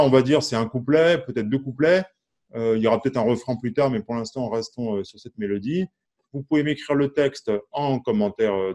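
A man's voice: mid-range voice, a little mellow. A man teaching a casual online music lesson, chatty and full of fillers, counting and singing out syllables over an instrument.

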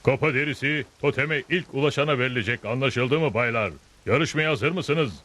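A man playing a proud, blunt Native American chief in a Turkish cartoon dub, making slow, solemn declarations. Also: medium pitch, a bit bright, close to an everyday voice. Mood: grave. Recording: music behind the voice.

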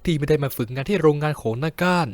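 A young man narrating a novel in the first person, with lively storytelling and wry asides. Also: a little high, very fast, dry recording. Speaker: audiobook narrator.

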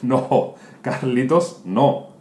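A man's voice: medium pitch, animated, extremely slow, mellow. A man voicing a worried, protective mother who scolds her son emphatically, recorded in a roomy space. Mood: scolding. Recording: roomy room, faint noise.

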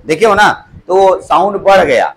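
A man's voice: sits high, animated, a little slow, husky. A male polytechnic teacher giving a classroom lecture, repeating key words back to his students as questions. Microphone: clip-on mic at the waist.

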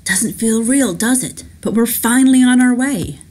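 A woman's voice: on the high side, moderate pace, a little mellow, pitched above the performer's own voice, close to an everyday voice. A woman reading the lines of a goofy, friendly young man, the best friend in a story game. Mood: excited.

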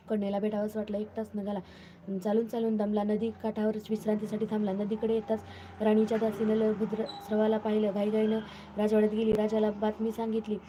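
A woman reading a devotional folk tale aloud in a steady, plain recitation with small restarts. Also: medium pitch, a little hiss or hum, poor audio. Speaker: storyteller.

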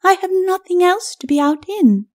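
A woman voicing a ghostly skeleton lady with a faint, distant, breathy voice and icy, scornful retorts. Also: extremely high pitch, animated, moderate pace, voice pushed up. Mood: bewildered.

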